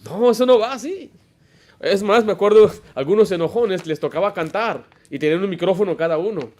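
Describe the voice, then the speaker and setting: A man's voice: high-pitched, brisk, a little mellow. A man, preaching a Baptist sermon as pastor, emphatic and full of stories and rhetorical questions. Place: church.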